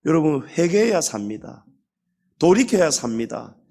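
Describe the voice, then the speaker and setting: Preaching a Sunday sermon, a male pastor speaks emphatically, addresses the congregation directly, and slows down to draw out key words. His voice is on the high side, very animated, and warm.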